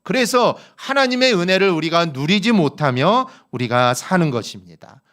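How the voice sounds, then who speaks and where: A man's voice: on the high side, fairly bright tone. A male pastor preaching a sermon in a church, addressing the congregation with rhetorical questions and rising emphasis. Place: church sanctuary.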